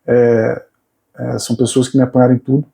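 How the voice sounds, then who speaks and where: A man's voice: medium pitch, little pitch movement, brisk, creaky, warm tone. A man in his thirties, a fitness coach, talking earnestly about his path with many hesitant restarts. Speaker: fitness coach and PhD student guest. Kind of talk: casual interview chat.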